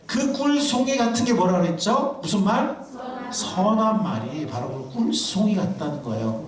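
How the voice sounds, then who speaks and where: A man preaching a sermon to a congregation, animated and quizzing his listeners. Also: sits high, a little hiss or hum. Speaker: pastor. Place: church sanctuary. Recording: echoey room, mic far off.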